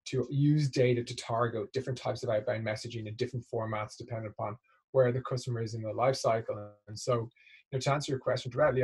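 A man's voice: mid-range voice, darkish tone, slightly rough. A man speaking as an executive guest in a business interview, explaining conversationally and often checking in with tag questions.

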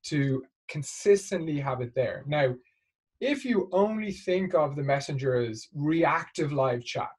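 A man's voice: on the high side, expressive, a little slow, darkish tone, husky. A man speaking as an executive guest in a business interview, explaining conversationally and often checking in with tag questions.

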